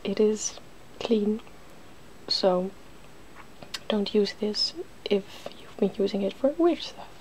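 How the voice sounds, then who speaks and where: A woman hosting an ASMR makeup demonstration, speaking softly and casually, often slipping into a whisper. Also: medium pitch, takes it slowly, slight background noise, poor audio. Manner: hushed, drifting into whispers. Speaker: ASMR video host.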